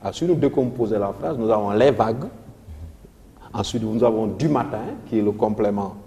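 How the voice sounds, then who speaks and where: On a televised revision lesson, a male literature teacher with a Senegalese French accent talks through poetry and rhythm, reciting verse slowly. His warm voice is on the low side, recorded with a big-room sound and a little hiss or hum.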